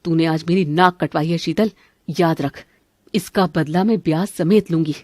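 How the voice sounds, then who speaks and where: A woman voicing a greedy, scheming middle-aged mother-in-law in an animated family cartoon, bossy and grumbling. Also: sits low, normal speed, no room sound, clean studio sound. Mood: vengeful.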